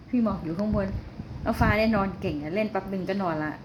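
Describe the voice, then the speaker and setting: A woman's voice: mid-range voice, lively intonation, normal speed, background noise. A woman filming her cats at home, chatting to them fondly and scolding them like children. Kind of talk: casual vlog narration. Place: home indoors.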